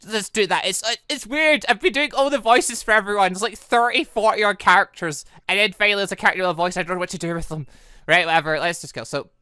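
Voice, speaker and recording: A man's voice: sits high, fast talker, pushed and bright, smooth, dry recording, clean studio sound. A man giving casual, rambling, exclamatory let's play commentary as a gaming host.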